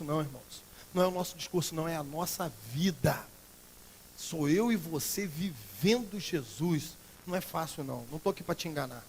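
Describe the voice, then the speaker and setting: A Brazilian pastor preaching a sermon in a church, swinging between loud emphatic outbursts and quiet earnest passages. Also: male voice, a little high, long reverb tail, slight background noise. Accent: Brazilian Portuguese. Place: church sanctuary.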